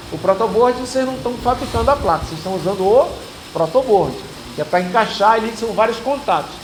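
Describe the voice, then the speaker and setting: A man with a high voice for a man talks at a fairly quick pace with lively intonation, amid noticeable background noise and audible room echo. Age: 60s. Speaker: university lecturer. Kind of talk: lecture. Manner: casual, conversational.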